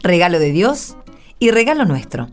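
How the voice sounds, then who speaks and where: Female narrator, slightly low voice, animated delivery, soft guitar behind, radio play. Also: moderate pace. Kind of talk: scripted radio drama narration. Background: acoustic guitar music.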